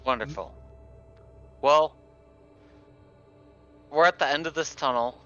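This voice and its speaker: A man's voice: on the high side, takes it slowly, fairly bright tone, muffled recording, soft background music. A man playing a tabletop roleplaying game, chatting casually in a wry, playful manner.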